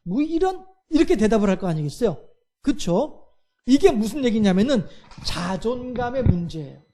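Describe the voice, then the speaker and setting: A man preaching a Wednesday church sermon. He keeps asking the congregation rhetorical questions and fills his pauses with a steady "yes". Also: high voice. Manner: acts out everyday quarrels in lively voices. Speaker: pastor.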